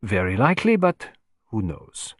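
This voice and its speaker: A man's voice: on the low side, huge pitch swings, unhurried, husky, no echo, studio quality, exaggerated voice. A man voicing a vain, fussy little male detective who speaks in a courtly, self-satisfied and precise way. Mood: musing.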